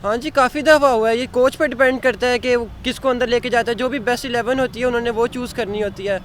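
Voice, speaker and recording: A man's voice: very high-pitched, steady tone, fairly bright tone, slight background noise. A teenage boy with a Pakistani accent giving casual interview answers as a young sports player. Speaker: youth cricket player being interviewed.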